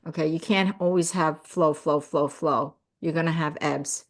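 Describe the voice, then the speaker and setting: A middle-aged woman, born in South Korea and raised in the US, hosts a casual live stream with a slightly low voice. She talks warmly and earnestly, filling her sentences with "you know" and "right?". She grows lively when she thanks viewers. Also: moderate pace. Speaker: live stream host reading viewer comments. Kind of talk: casual live-stream chat about spirituality.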